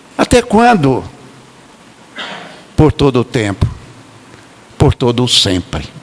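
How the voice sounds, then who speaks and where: Noticeable background noise sits behind a man speaking at a very slow pace. His pitch swings very widely. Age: 70s. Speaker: spiritist lecturer. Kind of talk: sermon.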